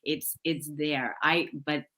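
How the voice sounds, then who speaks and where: A woman's voice: sits low, steady tone, slow, bright, forceful tone. A woman co-hosting a talk show, gushing with effusive praise and many fillers. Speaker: co-host. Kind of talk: warm-hearted talk show chat.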